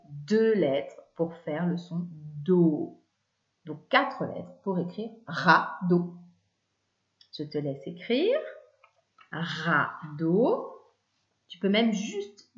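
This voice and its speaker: A woman teaching children to spell two-syllable words, explaining slowly and patiently syllable by syllable. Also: medium pitch. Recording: echoey room, dull lo-fi sound.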